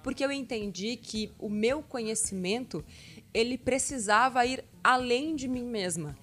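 A woman's voice: fairly high pitch, measured pace, a bit bright. A woman hosting a radio talk show, explaining things step by step in an emphatic, coaching way. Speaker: host.

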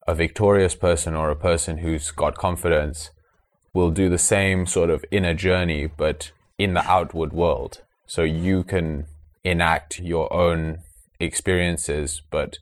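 A man with a very deep, low voice speaks in a relaxed conversation. He is earnest and thoughtful, pausing and restarting as he gathers his words. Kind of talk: casual discussion.

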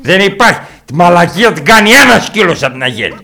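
A man's voice: sits high, sing-song, vocal fry, sharp tone, full character voice. A man playing a blunt, boastful rural uncle with a rural Epirus accent, who swears freely and tells tall tales in an improvised comic monologue. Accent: rural Epirus Greek. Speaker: comic character reacting to videos.

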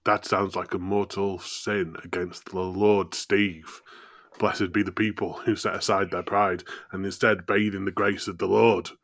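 A man's voice: low-pitched, little pitch movement, unhurried, a bit bright, no echo, clean studio sound, heavily acted. A man playing a pious Irish settler in colonial America, declaiming devoutly in an amateur comedy play. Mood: pious, solemn.

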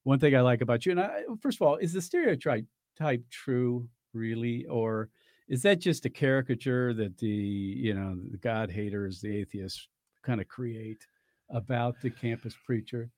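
A man hosting a radio talk show, interviewing his guest in a chatty, conversational way, laughing often and dropping into quiet asides. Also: medium pitch, moderate pace, no echo, studio quality.

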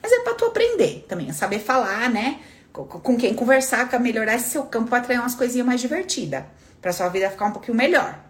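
A woman's voice: on the high side, fast. A woman hosting a live stream, telling stories in a casual, motivational way and acting out the voices she quotes. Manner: animated storyteller, acts out quoted voices; informal and chatty, calls listeners "minha filha" and "menina".

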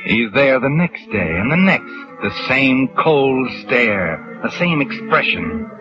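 An ominous, insinuating narrator of vintage radio suspense. His mid-pitched voice moves dramatically over clear background music on a dull recording. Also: big pitch swings, takes it slowly. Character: ominous, knowing male storyteller addressing the doomed woman.

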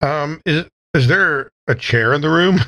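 A man's voice: on the high side, unhurried, bright, forceful tone. A man playing a tabletop roleplaying game in a casual, understated, dry-humored way.

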